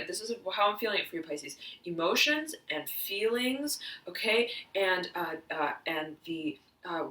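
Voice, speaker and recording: A woman giving a tarot reading, slightly hoarse and often clearing her throat. She meanders through restarts and fillers and keeps saying "I'm hearing.". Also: medium pitch, pushed and bright, roomy sound, distant mic, poor audio. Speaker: tarot reader. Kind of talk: spiritual reading to camera.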